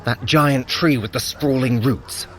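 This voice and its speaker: An actor playing a sly, vain trickster god in an audio drama, sardonic and theatrical, sharp-tongued with a fretful edge. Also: male voice, medium pitch, unhurried, close to an everyday voice. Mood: wry, scheming. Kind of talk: audio drama acting, addressing the listener.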